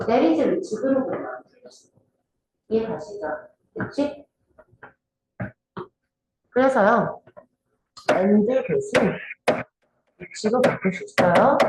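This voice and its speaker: A woman teaching an exam-prep English grammar lesson, often checking in with her students. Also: medium pitch. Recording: very echoey room with faint noise.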